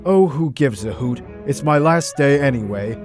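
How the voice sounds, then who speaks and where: In an audio drama, a man plays an earnest, determined and urgent doctor hero. His medium-pitched voice has lively intonation and a normal speed, close to an everyday voice, with music in the background.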